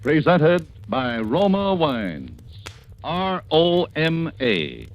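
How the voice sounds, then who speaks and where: Lively persuasive radio ad man. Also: a little high, very slow, muffled recording, music in the background. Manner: persuasive, lively salesman delivery. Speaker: commercial announcer. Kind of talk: 1940s radio commercial.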